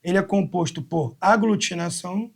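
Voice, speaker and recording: A man with a fairly high voice and a Brazilian Portuguese accent teaches a live exam-prep class. He works through each question step by step and counts syllables out slowly, one by one. He speaks close to the mic. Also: gravelly.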